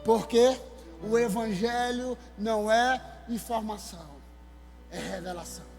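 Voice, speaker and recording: A male pastor with a Maranhão accent, preaching a sermon with animated, exclamatory storytelling. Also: high-pitched, a little slow, creaky. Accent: Maranhão, Brazil. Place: church sanctuary. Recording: hall reverb with soft music.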